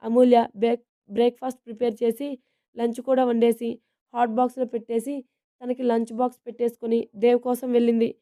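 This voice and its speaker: A woman narrating a romantic family story in a steady, even reading manner. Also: a little high, fast talker.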